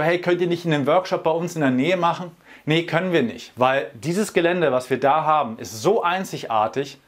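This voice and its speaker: A man who runs men's workshops, talking straight to camera in an energetic, persuasive, colloquial way. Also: fairly high pitch. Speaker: workshop organizer. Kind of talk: direct-to-camera promotional talk.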